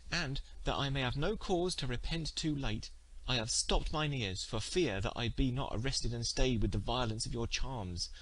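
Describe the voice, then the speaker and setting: A man reading the part of a virtuous, guarded young maiden in a storybook, speaking formally and with measured courtesy. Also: mid-range voice, fairly bright tone, natural voice, poor audio. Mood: guarded, firm. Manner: formal, measured, principled speech. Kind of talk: storybook character dialogue.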